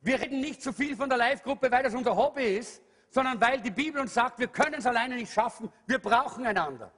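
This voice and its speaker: A man preaching a sermon with a strikingly high voice, calling out to his congregation. He swings between emphatic shouts and quiet, low asides. His voice rings with the long reverb of a large church hall. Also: fast. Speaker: pastor.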